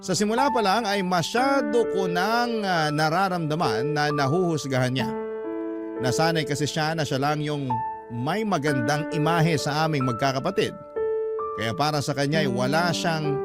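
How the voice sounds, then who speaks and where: A man's voice: fairly high pitch, natural voice. A man narrating as a young woman who earnestly confides her relationship troubles to a radio host. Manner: earnest, confessional. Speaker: letter-sender narrator. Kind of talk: dramatized first-person letter reading. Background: loud background music.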